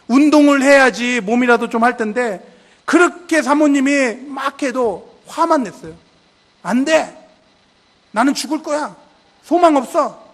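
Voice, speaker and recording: A man's voice: extremely high pitch, fairly bright tone. A male pastor preaching a sermon, telling a story and acting out prayers and dialogue with growing intensity. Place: church sanctuary.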